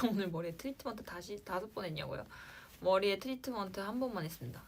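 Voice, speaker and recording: Young woman chatting on a stream, voice bouncing all over, playful and chatty, trails off soft. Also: mid-range voice, expressive, fast talker, a little hiss or hum. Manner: chatty, playful sound words, trails off at line ends. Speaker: idol livestream host. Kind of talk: casual livestream chat answering fans.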